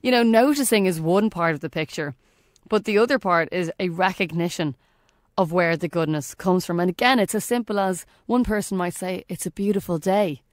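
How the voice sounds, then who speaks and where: A woman's voice: lowish voice, moderate pace, dry recording, studio quality. An Irish woman hosting a faith podcast, reading a scripted reflection with earnest emphasis. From Ireland. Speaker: podcast host.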